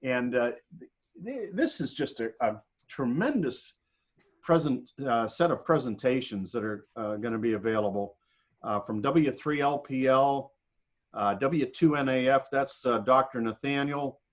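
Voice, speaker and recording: An American man giving an informal slide presentation, speaking haltingly with frequent pauses mid-sentence. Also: mid-range voice, expressive. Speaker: guest presenter. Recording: dull, lo-fi video call audio.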